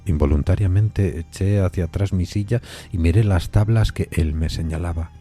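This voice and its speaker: Guy doing a proper gentleman telling a ghost story in radio drama, low n very mellow husky voice, uneasy, bit of music behind. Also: lightly acted. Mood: somber, unsettled. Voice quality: dark, husky. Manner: formal, measured, hesitant when questioning. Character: polite, rational, uneasy gentleman visitor narrating a ghost story. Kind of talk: dramatised first-person narration, audio fiction.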